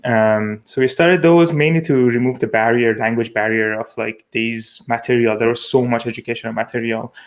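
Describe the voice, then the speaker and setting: Man explaining casually, mid-pitched voice. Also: steady tone, moderate pace, hardly any pauses. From Iran. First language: Persian. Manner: informal, frequent "like" while explaining. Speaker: panelist, blockchain security engineer. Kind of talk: casual explanatory panel talk.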